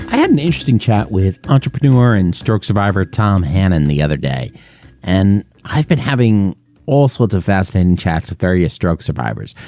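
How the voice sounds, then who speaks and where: With music in the background, a man with a New York accent speaks at a fairly quick pace, his pitch fairly low and his intonation lively. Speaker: podcast host. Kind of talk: podcast interview.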